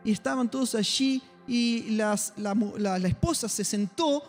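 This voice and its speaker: A male pastor tells a story in a sermon. His voice sits very high, and he acts out each person's lines with strong feeling. Faint music plays under his words. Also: unhurried. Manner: emotional storytelling, acts out dialogue. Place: church.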